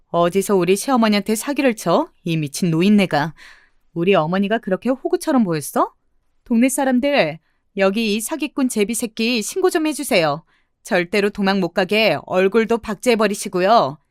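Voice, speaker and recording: Woman voicing a loud scolding sister-in-law. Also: medium pitch, clear, resonant tone, no echo, clean studio sound, lightly acted. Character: bold scolding middle-aged sister-in-law.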